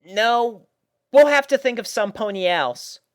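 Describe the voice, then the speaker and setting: A storyteller voicing a brash, caring, excitable cartoon pegasus pony mare with emphatic, drawn-out announcements. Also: medium pitch, dry recording, studio quality, voice pushed up, close to an everyday voice. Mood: excited.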